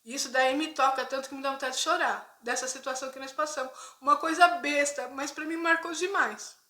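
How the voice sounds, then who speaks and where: A woman's voice: high voice, steady tone, brisk, pushed and bright. A middle-aged woman with a Brazilian Portuguese accent shares a personal testimony as a Christian vlogger. She talks conversationally and keeps checking in with her viewers. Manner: conversational, frequent tag questions to viewers. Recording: echoey room.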